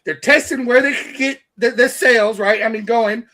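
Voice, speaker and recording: A man's voice: very high voice, normal speed, pushed and bright. A man co-hosting a casual sports chat, talking in a rambling way with repeated words.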